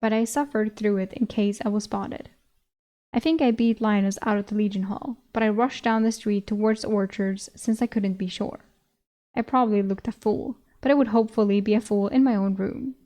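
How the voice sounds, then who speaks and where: A woman's voice: mid-range voice, steady tone, moderate pace, dark tone. A young woman with a Swedish accent, a native Swedish speaker, reading a fantasy novel aloud and stopping to chat and giggle between passages. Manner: giggly, breaks into laughter. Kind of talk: audiobook reading with commentary.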